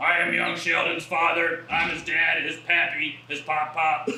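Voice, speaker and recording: This put-on character voice belongs to a man, pitched high and delivered in monotone, flat intonation. He keeps a moderate pace, with a slight echo around him. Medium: stage play. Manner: blunt sports-fan opinions.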